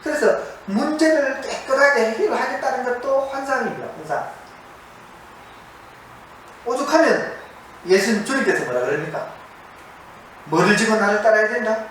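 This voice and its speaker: With a very high, expressive, fairly bright voice, a man preaches at a moderate pace from a monastery, pausing often. He puts questions to his audience and repeats key words for emphasis, sounding distant and very echoey amid faint noise.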